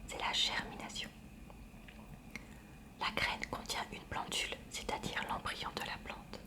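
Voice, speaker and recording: Whispering without voice, a woman gives a soft ASMR reading of a school science textbook. The breathy, library-quiet delivery stays careful and evenly measured.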